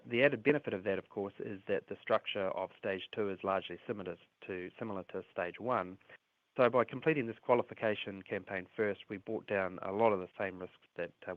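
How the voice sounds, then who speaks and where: A man presenting company results as an executive on an earnings call, reading prepared remarks in a measured way. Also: lowish voice. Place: conference call relayed on a livestream. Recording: roomy, phone-like earnings call line.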